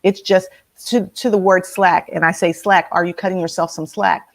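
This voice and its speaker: A woman's voice: on the low side, steady tone, moderate pace, vocal fry. A woman host with a slightly nasal voice, leading a casual motivational talk and asking her listeners many questions.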